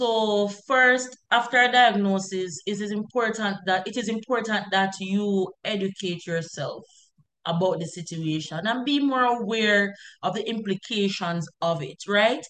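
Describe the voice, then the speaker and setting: A woman with a Jamaican accent talks at a medium pitch with ordinary pitch variation. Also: fairly slow pace. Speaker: mental health advocacy researcher. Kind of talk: radio interview.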